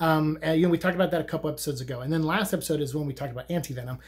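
Over a quiet background, a man talks in a somewhat breathy voice with fairly even intonation. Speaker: comic vlog host. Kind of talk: casual vlog chat. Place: home room. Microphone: webcam.

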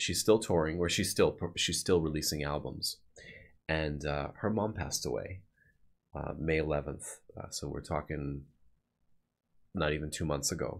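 Against a quiet background, a man with a very deep, low pitch speaks at a moderate pace with ordinary pitch variation and long, frequent pauses. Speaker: reaction channel host. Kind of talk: casual vlog chat. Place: home room. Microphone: studio mic.

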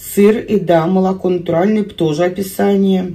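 A woman's monotone, flat intonation unfolds at a fairly slow speed. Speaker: food reviewer. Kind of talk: casual vlog chat. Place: kitchen. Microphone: phone near.

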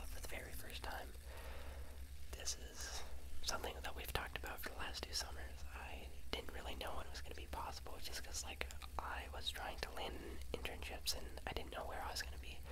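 Loud background noise surrounds this man as he speaks fairly quickly. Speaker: ASMR creator. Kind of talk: ASMR whisper ramble. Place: home room. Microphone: studio mic.

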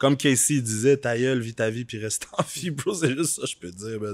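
A man's voice with ordinary pitch variation, dry sound with no echo and a quiet background. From Quebec, Longueuil (South Shore of Montreal); Quebec, Canada. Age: 20s. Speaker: rapper; guest. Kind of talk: casual interview. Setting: studio. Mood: relaxed, casual, animated. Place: studio. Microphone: studio mic.

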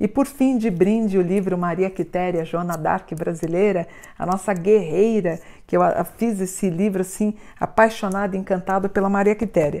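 A woman speaks at a moderate pace in a warm, dark, mellow tone. The background is quiet. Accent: Brazilian. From Brazil. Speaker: spiritual author and course teacher selling her books. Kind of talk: sales pitch, street-seller style product demo. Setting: video to camera, showing books. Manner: animated, upbeat and enthusiastic, rattling off prices and bargains; warm, chatty, direct appeals to viewer. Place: home room. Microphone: lapel.

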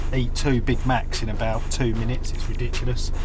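A man's voice over clear background music. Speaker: presenter. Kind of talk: casual vlog chat. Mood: light-hearted, joking. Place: car.

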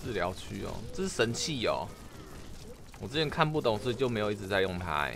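Over noticeable background noise and audible room echo, a man with a fairly low pitch speaks at a fairly quick pace in an animated tone, his pitch swinging very widely. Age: 30s. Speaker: game streamer. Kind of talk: live gameplay commentary with chat. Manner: animated, exclamatory.

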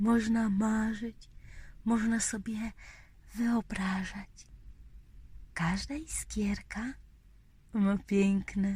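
A woman with a medium pitch, a somewhat breathy, dark, mellow and gentle tone, and monotone, flat intonation speaks at a very slow pace with long, frequent pauses. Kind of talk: whispered children's bedtime story. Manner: whispered, soft, gentle.

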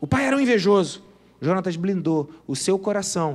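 Speaking with a Brazilian accent, a man uses a high pitch and lively intonation. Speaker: preacher. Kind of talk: sermon. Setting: church. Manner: earnest, exhortative, pleading direct appeals. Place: church. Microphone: handheld.

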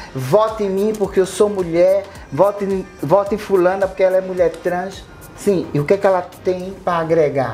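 A woman speaking at a moderate pace over faint background music. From Pernambuco, Brazil. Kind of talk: interview answer. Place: studio.

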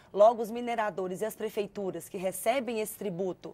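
Her pitch is fairly high and varies in an ordinary way. The woman keeps a moderate pace. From Minas Gerais, Brazil (Patrocínio); Minas Gerais, Brazil. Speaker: federal lawmaker; politician interview guest. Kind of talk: TV interview. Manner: formal. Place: studio. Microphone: lapel.

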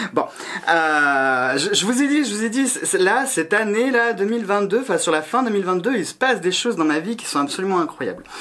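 A man talks at a moderate pace in a raised, projected voice with very wide pitch swings. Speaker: youtuber. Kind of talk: casual vlog chat. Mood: cheerful, laughing often. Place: home room.

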